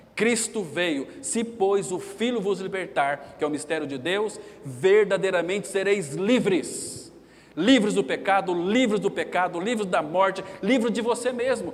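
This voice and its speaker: In a Brazilian accent, a man with a high pitch speaks in an animated tone at a fairly slow pace with ordinary pitch variation. The recording carries noticeable background noise and audible room echo. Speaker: pastor. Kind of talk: sermon.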